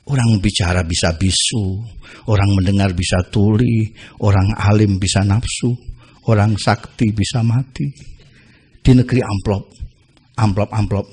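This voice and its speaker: Low husky guy doing a theatrical poem reading, slows way down, drops real quiet. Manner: theatrical, slow drawn-out lines, sudden drops to near whisper. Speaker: poetry reciter. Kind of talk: dramatic poetry recitation.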